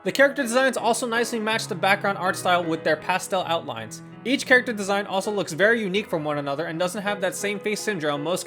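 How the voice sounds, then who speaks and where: Over a backdrop of guitar and instrumental music, a fairly bright, medium-pitched voice delivers a scripted first-impressions piece. The speaker is a video game reviewer and host, and the tone is eager and full of opinions.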